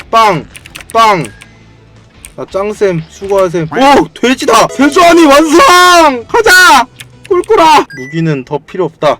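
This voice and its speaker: A male game streamer giving excitable, playful let's-play commentary, full of slangy quips and sudden shouts. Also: sits high. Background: faint game music.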